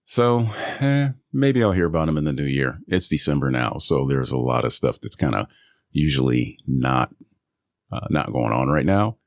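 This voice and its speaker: Very deep gravelly man, dry close mic. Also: moderate pace, dry recording. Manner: rambling, relaxed, with self-amused laughs. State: recovering from a cold. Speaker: voice actor. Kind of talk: casual solo vlog. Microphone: studio microphone.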